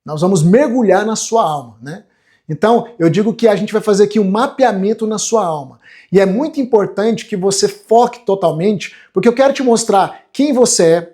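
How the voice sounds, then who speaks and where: A man's voice: sits high, a little mellow. A man, a self-help coach giving an emphatic live-stream class and speaking straight to the viewer. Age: 40s. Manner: emphatic, repeats phrases, addresses the viewer directly.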